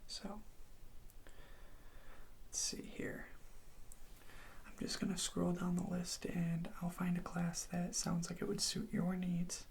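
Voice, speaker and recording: An ASMR performer whispering gently and without hurry, reassuring the listener in the role of a college advisor, with a breathy, creaky voice. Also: mid-range voice, monotone, takes it slowly, pauses often.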